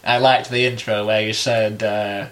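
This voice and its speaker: A young man co-hosting a podcast, telling a travel story in a relaxed, self-amused way. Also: lowish voice, a little slow. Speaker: podcast co-host. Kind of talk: casual podcast chat.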